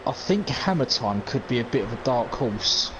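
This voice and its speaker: Male co-commentator, measured delivery, mid pitch, noisy home recording. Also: animated, highs cut off. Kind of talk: casual race-preview commentary. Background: dog at home.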